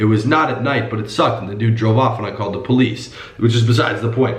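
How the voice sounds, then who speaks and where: A man at medium pitch and a very fast pace, with audible room echo and noticeable background noise. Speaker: e-commerce YouTuber. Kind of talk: tutorial; casual vlog outro. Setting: apartment at night, traveling in Prague. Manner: quiet, keeping voice down; fast, conversational.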